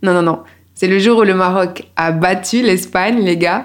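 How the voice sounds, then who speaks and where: A woman with an ordinary speaking voice, moderate pace, medium pitch and ordinary pitch variation. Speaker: podcast host. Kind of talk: interview, casual. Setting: studio.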